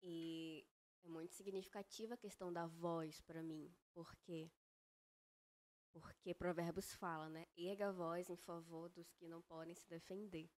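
A woman speaking as a guest on a Christian podcast, earnest and reflective, measured in her phrasing. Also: lowish voice, fairly even intonation, a little mellow. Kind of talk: faith-based podcast conversation.

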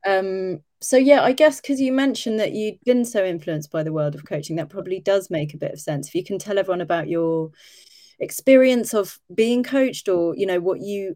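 A woman hosting an online program, introducing her guest in a measured, polite way with a few fillers. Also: mid-range voice, warm tone. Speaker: program host.

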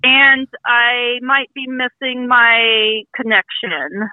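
A woman's voice: on the high side, steady tone, takes it slowly, no room sound. A woman calling in over the phone, chatting casually and laughing easily. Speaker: caller. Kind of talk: casual chat. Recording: tinny phone line.

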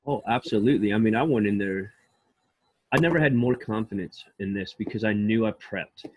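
A man with a low, husky voice talks with eager, rambling enthusiasm as an interview guest, often restarting his sentences. The sound is dry and close, with no room around it. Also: a little fast, no echo. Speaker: actor guest. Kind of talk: casual interview talk.

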